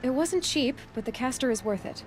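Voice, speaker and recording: A woman's voice: sits high, animated, fairly quick. A young woman playing a headstrong, curious tribal huntress in a video game, with an earnest, resolute and direct delivery. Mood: determined, defiant. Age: young adult. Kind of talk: naturalistic video game acting. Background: faint background music.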